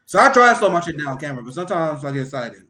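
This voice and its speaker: A man with a Midwestern accent hosting a casual livestream, talking fast and getting excited. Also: fairly high pitch. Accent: Midwestern American. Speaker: livestream host.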